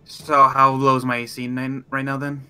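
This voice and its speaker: Bright-voiced man, hesitant tabletop player. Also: mid-range voice, monotone, normal speed. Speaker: player in a tabletop roleplaying game. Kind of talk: casual chat during a game. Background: background music.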